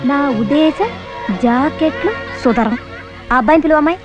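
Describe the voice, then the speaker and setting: An actress playing a sharp-tongued young schoolteacher who answers curtly and scolds in comic film dialogue. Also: female voice, high-pitched, expressive, brisk. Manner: scolding, curt. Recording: dull film soundtrack with music.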